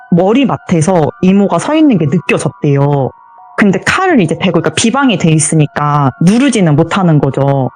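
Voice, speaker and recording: Lively woman telling a ghost story. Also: lowish voice. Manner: vivid storytelling, acts out quoted voices. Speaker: guest storyteller.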